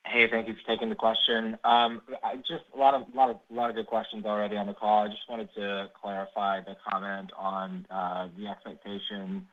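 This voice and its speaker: A man speaking as a financial analyst, asking questions on an earnings call in a halting, tentative way. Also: lowish voice, level tone. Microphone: phone line. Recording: dull, lo-fi call audio.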